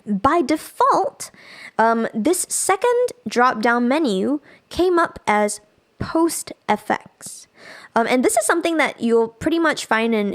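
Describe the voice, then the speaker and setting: Female tutorial host, slightly high-pitched, casual and explanatory, thinks aloud while working through software. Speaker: music production instructor.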